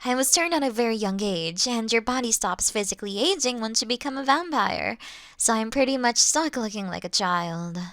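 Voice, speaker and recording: A woman performs a polite vampire girl, forever young in looks, for an audio roleplay. Her voice sits fairly high and is recorded very dry, with no room sound. She talks in a gentle, conversational, mildly wry way, as if putting a nervous guest at ease. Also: expressive, normal speed, no echo. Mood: friendly, wry. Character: childlike-looking ancient female vampire, polite, reassuring, mildly wry. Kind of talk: scripted audio roleplay addressed to the listener.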